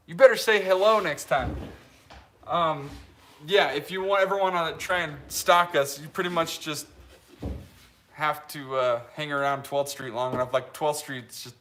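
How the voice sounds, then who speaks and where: Young guy in his late 20s from utah chatting on a live stream, slightly high voice, really bright tone, rambles a lot. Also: a little hiss or hum. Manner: rambling, with many restarts and fillers, laughs easily. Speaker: leatherworker hosting a live stream. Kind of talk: casual live-stream chat, reading viewer comments.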